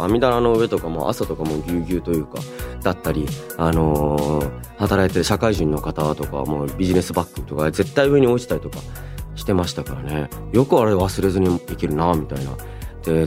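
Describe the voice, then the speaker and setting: A young man hosts a casual radio show with very animated intonation. He is chatty and thinks aloud in polite but informal speech, over faint music. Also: low-pitched. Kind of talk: casual solo radio talk, reading and answering listener mail.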